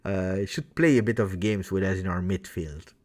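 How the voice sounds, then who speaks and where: A man with an Italian accent, whose first language is French, hosting a live football fan stream and reading out viewer comments. He talks casually, with loud cheers one moment and low mutters the next. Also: normal speed. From Italy. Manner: chatty, greets viewers by name, swings from loud cheers to low mumbles. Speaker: football fan livestream host.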